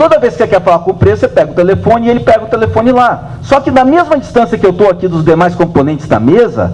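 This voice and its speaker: The speaker goes at a very fast pace with hardly any pauses, very even loudness, and very wide pitch swings, over noticeable background noise. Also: man, high pitch for a man. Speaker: lawyer / legal speaker on a panel. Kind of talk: lecture. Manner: halting.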